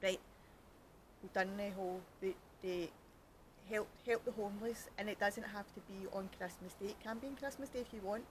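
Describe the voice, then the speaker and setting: Sitting out by a canal at night, a Scottish woman with a Glaswegian accent hosts a rambling, jokey, self-deprecating podcast chat, complaining of the cold and her freezing fingers. She talks at a moderate pace in a mid-range voice, on a low-quality recording with slight background noise.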